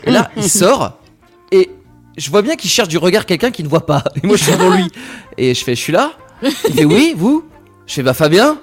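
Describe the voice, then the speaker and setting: A man's voice: high voice, fairly quick, breathy edge, soft background music. A man, a guest author on a radio show, telling self-mocking stories in casual chat at a studio mic. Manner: lively storyteller, self-mocking. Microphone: studio microphone.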